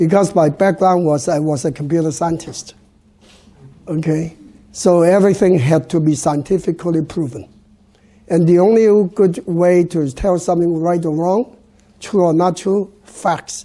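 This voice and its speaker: A man with a high pitch and a dark, mellow tone speaks at a moderate pace with fairly even intonation and long, frequent pauses. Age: 70s. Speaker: feng shui master. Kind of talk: public talk. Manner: halting.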